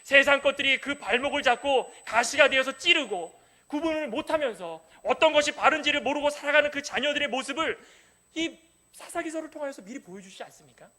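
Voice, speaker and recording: A male pastor preaching an impassioned sermon, swinging between loud cries and hushed pleas in a church. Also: very high-pitched, a little fast. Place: church sanctuary.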